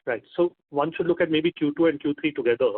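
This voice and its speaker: Man, analyst, hesitant phrasing, fairly high pitch, telephone sound. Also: fast, husky. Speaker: investment analyst asking questions. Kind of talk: earnings call questioning. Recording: narrow phone-like conference line.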